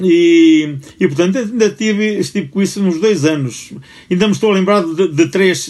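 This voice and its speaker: A man with a high-pitched voice speaks at a moderate pace, his pitch moving in an ordinary way. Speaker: folklore researcher. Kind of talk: casual interview. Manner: halting, many repetitions.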